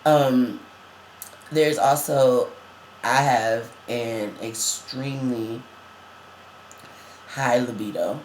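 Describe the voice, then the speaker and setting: A trans man chats easily and laughs often, with plenty of ums along the way. His voice sits at a middling pitch and cracks now and then. The sound is roomy and echoey, with a faint hum behind it. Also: fairly even intonation, drawn-out words, pauses often, a little mellow. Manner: chatty, laughs often, many fillers. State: voice cracking, going up and down. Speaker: vlogger. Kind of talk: casual chat.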